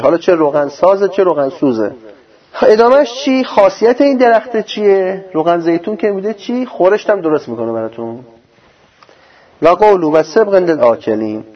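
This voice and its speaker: A man teaching a religious lecture on scripture, explaining verses slowly and arguing with a sarcastic edge. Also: sits high. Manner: sarcastic, argumentative. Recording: dull lo-fi recording.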